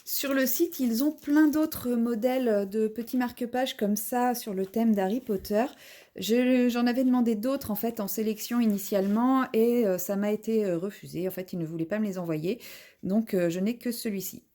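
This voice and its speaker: A woman's voice: on the high side, normal speed, warm tone. A woman vlogger in a casual unboxing video, chatting as she describes each craft item while she unpacks it at home.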